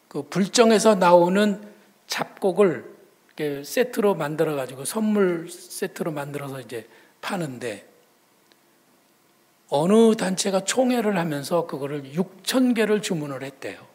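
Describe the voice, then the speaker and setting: High-voiced male pastor telling stories. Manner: conversational storytelling, swings between loud and hushed. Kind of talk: sermon.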